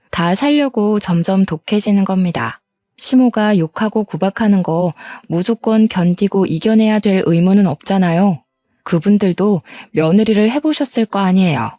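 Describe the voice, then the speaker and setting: A woman's voice: mid-range voice, mellow, dry recording. A woman in her thirties reading a first-person story aloud in an aggrieved, complaining tone. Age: 30s.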